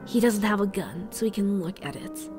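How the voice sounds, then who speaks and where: A woman's voice: mid-range voice, normal speed, music in the background, close to an everyday voice. A woman voicing a young captive boy in an audio drama, terse, defiant and fiercely loyal.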